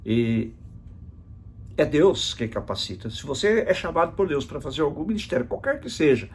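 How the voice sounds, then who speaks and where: A man's voice: fairly high pitch, very animated, moderate pace, slight background noise. A man, teaching a virtual Bible study as a pastor, explaining a passage and reading verses aloud with emphasis.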